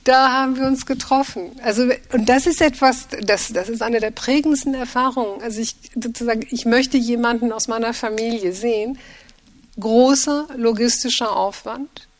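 A middle-aged woman whose first language is French talks through her family history at an unhurried, thoughtful pace. She often circles back and repeats words as she searches for the right phrasing, in a calm podcast conversation. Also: a little high, no room sound. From Germany. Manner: reflective, many restarts and repeated words. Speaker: translator and editor, guest.

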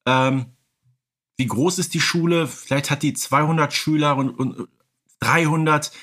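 A man's voice: on the high side, a little slow, a bit bright. A man from North Rhine-Westphalia with pronunciation co-hosts a casual podcast, musing and explaining as he goes. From North Rhine-Westphalia, Germany. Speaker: podcast co-host.

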